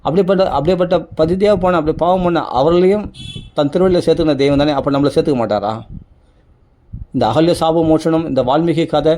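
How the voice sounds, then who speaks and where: A man's voice: a little high, darkish tone, a little hiss or hum. A man giving a devotional discourse, emphatic and repetitive, asking many rhetorical questions. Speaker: religious speaker.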